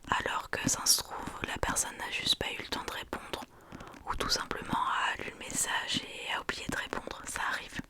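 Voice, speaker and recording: A woman talks in a soft, unvoiced library whisper, explaining hesitantly with pauses in an ASMR book talk. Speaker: ASMR creator.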